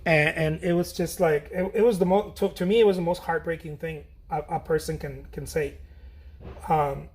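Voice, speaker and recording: A man's voice: fairly high pitch, fairly even intonation, normal speed, a little mellow, slightly rough. A man chatting casually while he paints on a livestream, rambling, repeating his phrases and swearing now and then. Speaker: painter streaming a demo.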